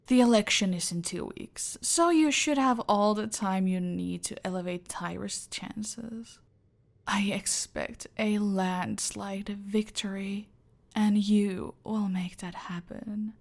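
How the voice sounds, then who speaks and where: A woman voicing a cold, controlling female cartel boss in an ASMR roleplay, giving slow, deliberate orders, often in a whisper. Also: medium pitch.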